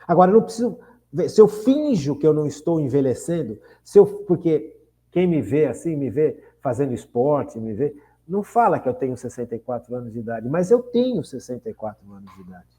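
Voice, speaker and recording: Mellow older Brazilian man on radio. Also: on the high side, big pitch swings, a little fast. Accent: Brazilian Portuguese. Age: 60s. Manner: earnest, repeats phrases, asks listeners questions. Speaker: radio host. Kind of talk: reflective spiritual radio talk.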